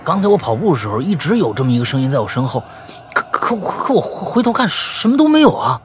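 A man voicing a jittery, easily spooked young male junior student who talks high, fast and anxiously. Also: sing-song, fairly bright tone, soft background music, exaggerated voice. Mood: nervous, pleading.

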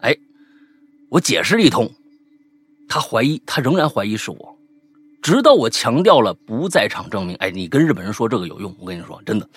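A man co-hosting a casual podcast, reading out a listener's ghost story with lively asides and banter. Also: lowish voice, a little fast, slightly rough. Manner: lively, animated retelling with asides.

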